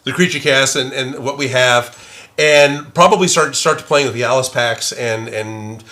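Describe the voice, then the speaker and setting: A man's voice: medium pitch, normal speed, bright, forceful tone. A man hosting a casual workshop livestream, chatting easily with a guest and chuckling often. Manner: chuckling, easygoing banter. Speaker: prop maker and stream host.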